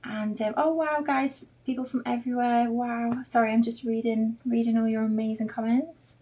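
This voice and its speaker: A woman's voice: on the high side, fairly even intonation, moderate pace, mellow. A woman with a Liverpool accent teaching art in an informal live stream, chatting in a rambling way straight to her viewers. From Liverpool, England. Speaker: artist and online drawing teacher.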